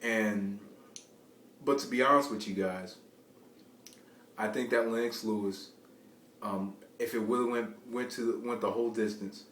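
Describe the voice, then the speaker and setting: Lower-voiced man in a roomy, distant recording. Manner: rambling, halting, repeats phrases to restart. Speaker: amateur boxing commentator. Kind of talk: informal unscripted sports commentary. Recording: roomy, distant mic, faint background noise.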